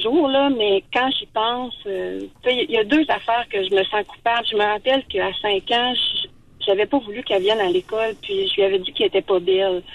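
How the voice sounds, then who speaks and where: With a Quebec accent, a woman talks at a fairly quick pace with lively intonation against noticeable background noise. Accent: Québécois French. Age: 40s. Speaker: caller. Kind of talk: phone-in confession. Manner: halting.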